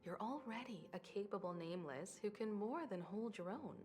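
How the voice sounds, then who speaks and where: An actress playing a composed, responsible woman leading a starship crew in a video game, speaking in a measured, polite way. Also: medium pitch, expressive, music in the background, natural voice. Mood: reassuring. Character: composed, responsible adult woman crew leader on space train.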